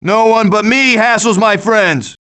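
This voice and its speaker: A man voicing a cocky, scheming, wisecracking raccoon leader in an animated video game, with a glib, theatrical delivery. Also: high-pitched, unhurried. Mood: wry, confident.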